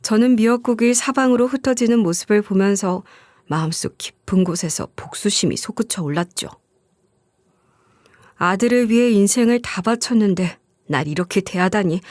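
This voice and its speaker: A woman narrating a first-person story as a radio storyteller, in a gentle, confiding way. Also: medium pitch, no echo, clean studio sound.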